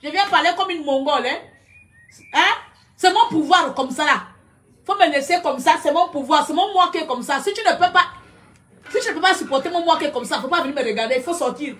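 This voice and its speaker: A woman giving a loud, combative live-stream rant, shouting back at her viewers. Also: sits high, lively intonation, brisk. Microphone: computer webcam.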